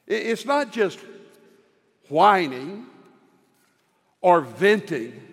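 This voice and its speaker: An older man, a pastor of many decades, giving a slow, earnest devotional sermon with emphatic repeated words. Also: high voice, fairly bright tone, big-room sound.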